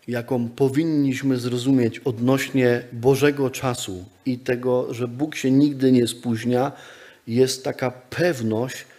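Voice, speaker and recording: A male pastor delivering a sermon, driving points home by repeating phrases and swinging between loud and quiet. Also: mid-range voice. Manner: emphatic repetitive preaching, rising and dropping loudness.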